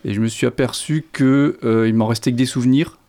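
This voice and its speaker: A middle-aged author from Lorraine, whose first language is Lorraine Franconian (Platt), speaks in a literary interview. His mid-range voice has a dark tone and fairly even intonation, and he talks fairly quickly but hesitantly, restarting often.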